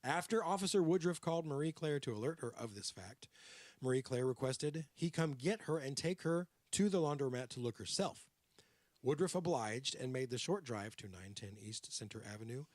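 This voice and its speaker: A man's voice: on the high side, no room sound. A man hosting a podcast, telling a true-crime story and slipping into character voices. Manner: animated, drops into character voices. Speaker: podcast host.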